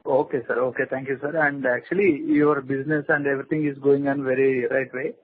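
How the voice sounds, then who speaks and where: A man calling in to an earnings call. His voice is husky, and he speaks hesitantly and deferentially, pausing often. He is heard through a thin, phone-like line. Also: medium pitch, lively intonation. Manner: hesitant, deferential, many fillers. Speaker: caller asking a question.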